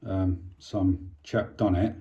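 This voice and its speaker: A man's voice: low-pitched, fairly even intonation, takes it slowly, mellow, lo-fi sound. A British man giving a casual hands-on repair demonstration, informal and a bit hesitant as he thinks aloud while working. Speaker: hobbyist presenter of an electronics repair.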